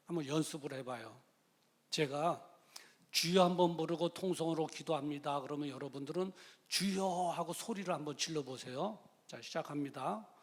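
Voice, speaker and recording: Emphatic high-voiced pastor preaching in a hall. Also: male voice. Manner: emphatic, repeats key phrases, swings from loud to quiet. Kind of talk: sermon. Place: church sanctuary.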